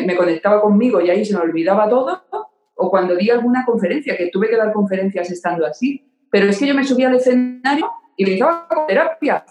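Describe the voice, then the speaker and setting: A woman's voice: mid-range voice, darkish tone. Open-hearted woman, roomy sound. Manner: open, emotional, repeats words for emphasis. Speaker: podcast guest. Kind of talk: candid conversation.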